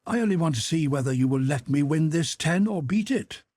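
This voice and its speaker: A man's voice: a little high, lively intonation, brisk, a little mellow, no room sound, studio quality, voice pushed up. A man reading the part of a young nobleman gambler, proud but desperate, questioning himself in anxious, pleading inner talk. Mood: strained.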